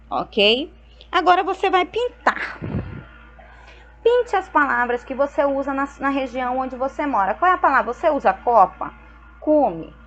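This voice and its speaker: A young Brazilian woman teaches a school lesson, explaining slowly and patiently and often checking in with her students. Her voice sits high with a fairly bright tone, and the highs in the recording are cut off.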